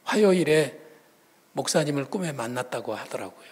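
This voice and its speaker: A male pastor preaching a sermon in a conversational storytelling manner, his voice swinging between loud and hushed. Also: medium pitch, lively intonation, moderate pace, breathy edge.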